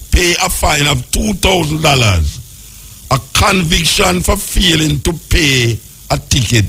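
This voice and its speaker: A Jamaican radio host reading a legal text aloud and breaking off into joking patois comments on it. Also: male voice, fairly high pitch, fairly bright tone, breathy edge.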